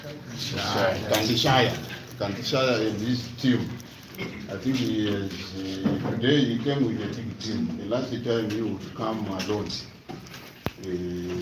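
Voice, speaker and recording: A man hosting a press conference, giving welcome remarks in a halting way as he searches for words. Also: lowish voice, steady tone. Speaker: media center host. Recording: very noisy, echoey room, distant mic.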